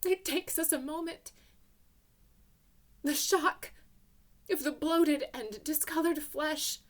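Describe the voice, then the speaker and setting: Higher-voiced woman reading fiction with intense drama. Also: slow. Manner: intense, theatrical, hushed passages swelling to emotional peaks. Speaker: reader of a short story. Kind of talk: dramatic literary narration, first person.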